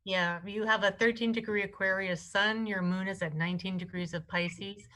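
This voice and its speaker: A woman's voice: medium pitch, fairly even intonation, normal speed, bright, forceful tone. A woman who co-hosts a wellness show, giving astrology readings to callers in a chatty, affectionate way with frequent restarts. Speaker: astrologer and co-host. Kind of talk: live call-in readings.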